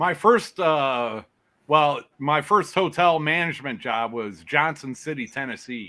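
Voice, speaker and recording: A man with an American accent, fairly high-pitched with a bright, sharp tone and lively intonation, at a fairly slow pace on a very clean recording with a silent background. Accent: Chicago, some Southern picked up. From Illinois, Chicago area. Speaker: homestead vlogger. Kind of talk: casual chat. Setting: live stream.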